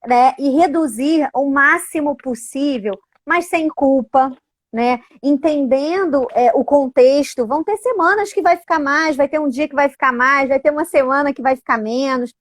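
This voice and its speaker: High-voiced woman chatting animatedly. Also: normal speed, dry recording. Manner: animated, frequent tag questions. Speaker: educator and parent. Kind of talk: casual conversational talk.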